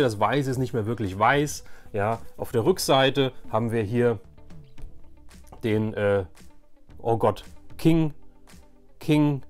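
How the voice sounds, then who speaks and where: A middle-aged man chats in a casual, rambling way, like showing off old keepsakes. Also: medium pitch. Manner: rambling, conversational. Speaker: nostalgia video host. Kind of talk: casual nostalgic show-and-tell.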